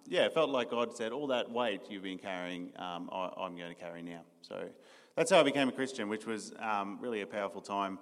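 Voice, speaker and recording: A man's voice: lowish voice, animated, fairly quick. A young Australian man giving his personal testimony in a church interview, earnest, with many ums and restarts. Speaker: new church staff member being interviewed. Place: church hall. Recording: reverberant church hall.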